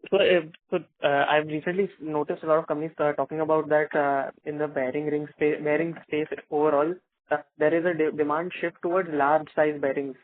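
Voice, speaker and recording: A man with an Indian accent asks analyst questions over a narrow phone line. His voice sits a little high and stays very even in pitch. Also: fairly quick, a little hiss or hum. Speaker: analyst caller asking questions. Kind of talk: earnings call questioning.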